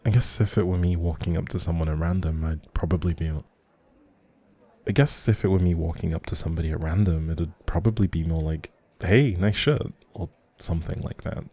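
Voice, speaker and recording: A man playing a socially anxious, kind stranger in an intimate audio roleplay, rambling hesitantly and doubting himself in a soft, breathy voice. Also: sits low, a little fast. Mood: awkward, amused.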